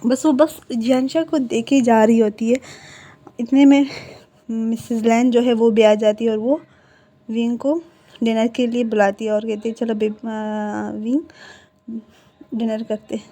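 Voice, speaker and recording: A woman retells a fan story in a loose, chatty way, with fillers and quick self-corrections. Her voice sits a little high but sounds mellow and soft. A sore throat gives it a hoarse edge. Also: fairly even intonation. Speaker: storyteller and channel host.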